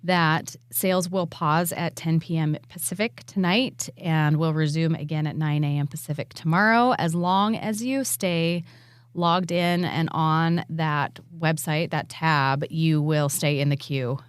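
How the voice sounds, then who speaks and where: A woman's voice: low voice, a little slow, smooth, no room sound, clean studio sound. Easygoing woman podcast co-host. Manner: easygoing, laughs often. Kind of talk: casual chat, reading listener reviews and news.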